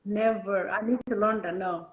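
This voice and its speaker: A woman talking in a relaxed, reflective way, often trailing off softly. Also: medium pitch, moderate pace, echoey room, dull audio. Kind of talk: casual conversation.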